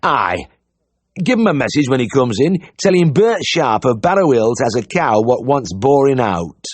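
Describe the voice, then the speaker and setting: A man voicing a plump, cheery farmer, talking loud and hearty. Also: mid-range voice, big pitch swings, moderate pace, dry recording, voice pushed up. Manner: loud, hearty, broad dialect. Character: bluff Yorkshire farmer, plump, cheery, middle-aged man.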